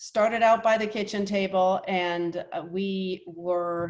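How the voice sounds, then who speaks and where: A woman with a slight Swedish accent speaks with fairly even intonation. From Sweden. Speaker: company founder. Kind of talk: event speech. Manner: hesitant, many fillers.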